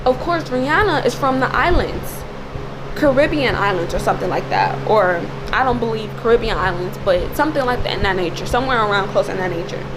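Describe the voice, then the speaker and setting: A woman with a slightly raspy, cracking voice giving informal, preachy commentary in an emphatic, repetitive way as a video creator. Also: fairly high pitch, brisk, background noise. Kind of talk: informal spoken commentary with religious exhortation.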